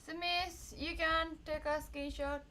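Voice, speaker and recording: A woman's voice: sits high, level tone, unhurried, pushed and bright. A woman co-hosting a livestream who mostly chimes in with short reactions. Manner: brief reactive interjections. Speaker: co-host. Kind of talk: casual livestream chat.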